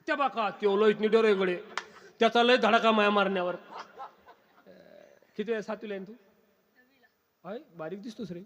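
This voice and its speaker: A man with a high voice leads a kirtan, preaching playfully to a gathered crowd. He teases his listeners and keeps firing questions at them. His voice rings out with a long reverb, as if filling a large hall. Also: fairly even intonation, moderate pace, pauses often, a bit bright, dull audio. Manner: teasing, keeps quizzing the crowd. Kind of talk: humorous kirtan sermon to a live audience. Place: kirtan gathering before an audience.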